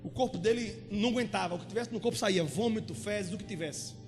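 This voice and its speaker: A man preaches with a high, lively voice and acts out the people in his story. His voice rings through a church hall with a long echo, and soft music plays behind him. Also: fast. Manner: animated, acts out dialogue in the story. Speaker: pastor. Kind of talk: sermon storytelling.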